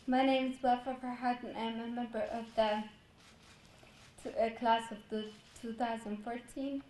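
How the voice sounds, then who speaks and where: A teenage girl, fairly high-pitched, reads a careful prepared speech as a graduating student. She delivers it slowly and restarts now and then. Her voice echoes in a big hall with faint background noise. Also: little pitch movement, a little mellow. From Palestine. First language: Arabic. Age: teens.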